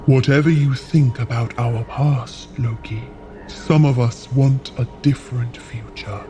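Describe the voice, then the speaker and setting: A man playing a solemn, idealistic, weary frost giant in an audio drama, speaking in grave, measured storytelling. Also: mid-range voice, steady tone, mellow, soft background music, lightly acted. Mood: earnest, resolute. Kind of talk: scripted audio drama acting.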